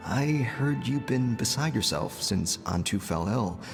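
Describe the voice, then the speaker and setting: A man's voice: mid-range voice, animated, measured pace, vocal fry, music in the background. A man playing a supportive, brotherly tribal chief in a video game, reassuring and sincere, with an echoing flashback effect. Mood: supportive, concerned. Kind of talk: video game character acting. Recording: long reverberant echo effect.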